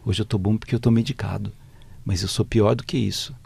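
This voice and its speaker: A man's voice: on the low side, fairly even intonation, a little fast, vocal fry, a little mellow, slightly rough, no room sound, exaggerated voice. A man voicing an earnest, talkative male mourner who cries at wakes, in a plaintive, questioning way. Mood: sad.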